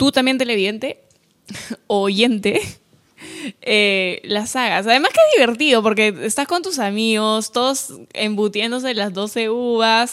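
A woman's fairly high voice, animated in tone, with ordinary pitch variation and a fairly slow pace. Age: 20s. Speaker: podcast host. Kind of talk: casual monologue. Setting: home studio with window open.

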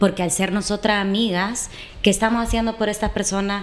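A woman speaks with a Salvadoran accent. Her pace is moderate. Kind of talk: casual faith-based chat.

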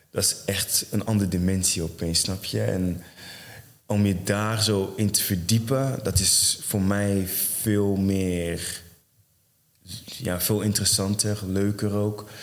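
A man speaks very slowly at a fairly low pitch. His intonation stays flat and monotone. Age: 20s. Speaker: student and reading promoter. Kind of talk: casual interview.

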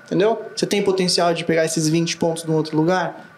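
Noticeable background noise runs under a man's voice. His pitch is high and his intonation monotone and flat. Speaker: English test tutor. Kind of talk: casual interview.

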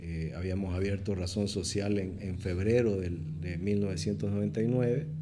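With audible room echo and noticeable background noise, a man speaks very slowly in a very deep, low pitch with ordinary pitch variation. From Bolivia, Santa Cruz. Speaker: tech company founder and CEO. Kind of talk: interview. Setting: office. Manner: halting.

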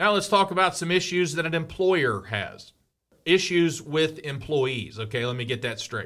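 Bright, sharp tone with vocal fry and lively intonation at a moderate pace. The recording is very clean, with a silent background. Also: man, fairly high pitch for a man. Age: 50s. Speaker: business owner and podcast host. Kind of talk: solo business talk. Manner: casual, with many filler words.

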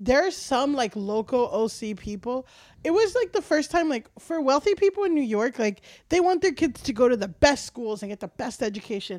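A woman's high voice with an American accent, very wide pitch swings and a moderate pace, on a very clean recording with a silent background. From Miami, Florida. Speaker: stand-up comedian. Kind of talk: casual chat.

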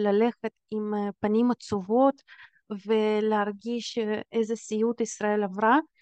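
Fairly even intonation at a fairly slow pace, with a dry, close sound with no echo. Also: woman. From Israel. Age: 30s. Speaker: life coach and therapist. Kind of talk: solo podcast monologue.

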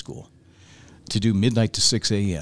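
Speaking with an American accent at a fairly slow pace, this voice comes through on a very clean recording with a silent background. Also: man. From US Pacific Northwest (Washington State, Idaho). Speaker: radio personality and voiceover artist. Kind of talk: casual chat.

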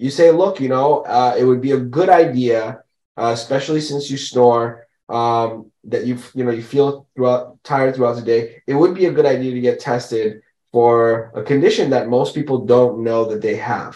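A man uses an ordinary speaking voice at a medium pitch and a moderate pace. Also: ordinary pitch variation. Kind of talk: casual interview chat.

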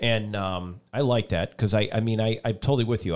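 This man has an unremarkable speaking voice with a fairly low pitch and fairly even intonation. The recording is very clean with a silent background. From Buffalo, New York. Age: 50s. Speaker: podcast host. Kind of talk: interview. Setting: studio.

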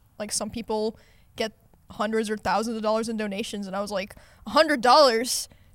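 With an American accent, a woman talks very fast in a fairly high, monotone voice with flat intonation. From Texas. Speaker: podcast co-host. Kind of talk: casual chat.

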